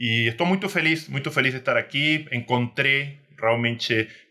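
A man speaks with an Argentine accent. His pace is moderate and his pitch variation ordinary. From Argentina. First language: Spanish (speaking Portuguese). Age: 40s. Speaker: security industry executive. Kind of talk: podcast interview.

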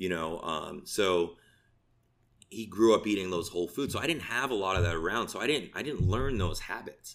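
Speaking at a moderate pace with ordinary pitch variation, a man has an unremarkable speaking voice. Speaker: health coach and bodybuilder. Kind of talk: casual interview chat. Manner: casual, conversational.

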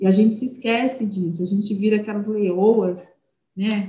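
Somewhat breathy and dark, mellow in tone, a woman speaks at a fairly slow pace in a fairly high pitch. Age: 50s. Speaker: family constellation therapist. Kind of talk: casual interview chat.

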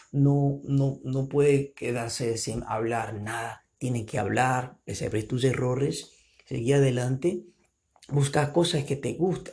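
At a very slow pace, a man speaks with a dark, mellow tone, somewhat breathy, at medium pitch with ordinary pitch variation. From Brazil, Pernambuco. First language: Portuguese (speaking Spanish). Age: 20s. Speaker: podcaster. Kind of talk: solo podcast monologue. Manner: halting.

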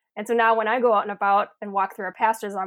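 The voice keeps a fairly even intonation in a very clean recording with a silent background. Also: woman. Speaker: organic dairy farmer. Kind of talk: interview. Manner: hesitant, filler-heavy.

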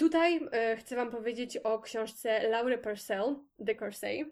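Recorded very cleanly against a silent background, a woman with a plain, everyday voice speaks at a fairly slow pace, her pitch fairly high and its variation ordinary. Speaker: book podcast co-host. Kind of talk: casual chat.

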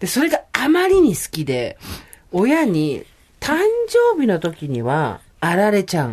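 A woman speaks at a fairly slow pace with a medium pitch and very wide pitch swings. Her speech has long, frequent pauses. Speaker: radio co-host. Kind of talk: casual chat. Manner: animated.

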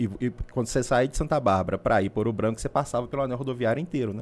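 Speaking at a very fast pace, this man has a medium pitch with ordinary pitch variation. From interior of Minas Gerais, Brazil. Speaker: journalist and press officer. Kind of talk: interview on a podcast.

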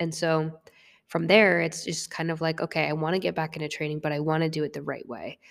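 A woman's very deep, low-pitched voice with vocal fry and monotone, flat intonation at a very fast pace, in a very clean recording with a silent background. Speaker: bodybuilding coach and competitor. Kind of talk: solo podcast monologue. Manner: casual, chatty.

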